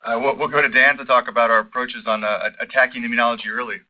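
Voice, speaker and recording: A man's voice: mid-range voice, level tone, fast talker. A man moderating an earnings call, handing questions along over muffled conference audio.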